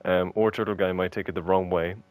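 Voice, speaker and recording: A man's voice: deep voice, steady tone, fairly quick. A man co-hosting a casual podcast, joking and teasing, with exasperated rants. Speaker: podcast co-host.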